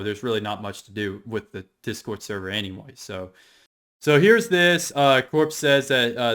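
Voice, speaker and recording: A man's voice: on the low side, fairly bright tone, clean tone. A man giving casual, unscripted commentary as an online drama explainer, rambling and repeating his points in an opinionated way. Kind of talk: casual unscripted commentary going through screenshots.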